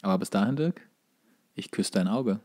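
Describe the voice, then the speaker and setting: A man's voice: lowish voice, animated, normal speed, a little mellow. A man, co-hosting a comedy podcast with wry, opinionated banter and wordplay. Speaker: podcast co-host. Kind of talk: casual comic banter.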